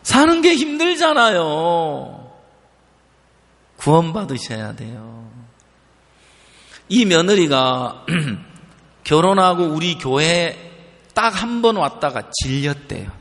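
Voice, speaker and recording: Animated preacher in a reverberant hall. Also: male voice, fairly high pitch, slow pace, long pauses. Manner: animated storytelling, acting out an elderly mother's stubborn replies. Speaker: pastor. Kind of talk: sermon with acted-out anecdotes. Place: church sanctuary. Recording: long reverb of a church hall.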